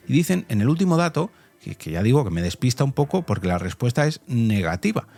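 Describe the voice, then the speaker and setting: Guy from spain, castilian accent, mid-pitched voice, chatty podcast host explaining stuff straight to listeners, music under it. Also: gravelly, a little mellow. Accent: Spanish from Spain. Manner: explanatory, addresses listeners directly with rhetorical questions. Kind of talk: conversational podcast commentary on survey results.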